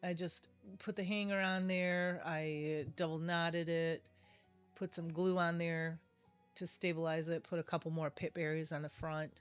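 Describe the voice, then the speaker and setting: A woman's voice: lowish voice, flat delivery, measured pace, smooth, soft background music. A middle-aged woman, nasal from a cold, chatting her way through a craft tutorial and often correcting herself. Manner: chatty, rambling, self-correcting. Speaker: craft video host. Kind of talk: casual craft tutorial voice-over.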